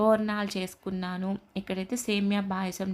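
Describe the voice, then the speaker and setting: On a very clean recording with a silent background, a woman speaks at a medium pitch in a flat monotone. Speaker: YouTube vlogger. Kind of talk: casual vlog narration.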